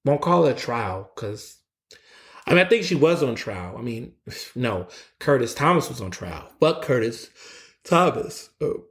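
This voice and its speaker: Worn out from a long late night, a twentysomething American podcast host shares his opinions alone on the mic. His voice is mid-range and a little slow, his tone sassy, blunt, and animated, with frequent stammers and sentence restarts.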